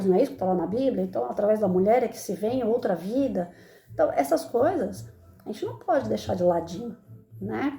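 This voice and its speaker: Woman, Brazilian accent, middle-aged, conversational study presenter, frequent tag questions, dark tone, echoey room. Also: a little high. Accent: Brazilian Portuguese. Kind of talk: spoken Spiritist study talk with personal story.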